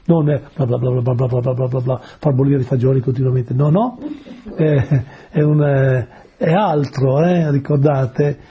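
A man's voice: fairly high pitch, vocal fry, husky, dull audio. A man preaching a conversational sermon, patiently explaining words and often asking his listeners rhetorical questions.

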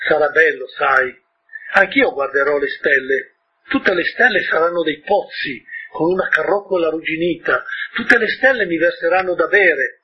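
A man with a husky voice quoting a gentle, sad little boy prince from another planet, softly and wistfully. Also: on the high side, animated, normal speed, lo-fi sound.

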